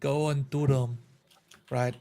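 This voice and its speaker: Slow-paced man playing a tabletop game. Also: medium pitch, flat delivery, warm tone, a little hiss or hum. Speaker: player in a tabletop roleplay game. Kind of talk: roleplay, describing character actions.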